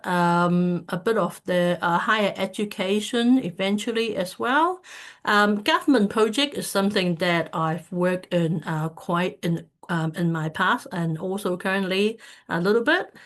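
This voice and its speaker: Woman from Hong Kong, casual online presentation, halting speech, lots of fillers, video-call mic. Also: mid-range voice. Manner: hesitant, many fillers and restarts. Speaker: speaker at an online community event.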